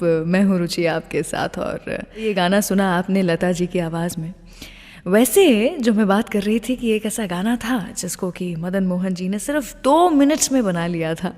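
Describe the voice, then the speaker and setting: A woman's voice: medium pitch, long reverb tail. Chatty woman radio host. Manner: lively storytelling, teasing what comes next.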